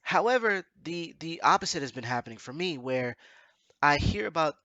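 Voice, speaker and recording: A man's voice: fairly high pitch, expressive, moderate pace, bright, forceful tone, no echo, muffled recording. A man hosting a podcast in casual chat, rambling and correcting himself, his nose congested from allergies. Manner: hesitant, self-correcting, rambling. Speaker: podcast host.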